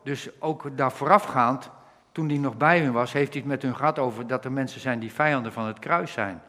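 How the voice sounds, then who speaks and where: A man delivers an earnest sermon, explaining Bible passages line by line. His voice sits in a middle register and carries a long reverb from the hall. He slows down to quote scripture. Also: mid-range voice, fairly bright tone. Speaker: preacher.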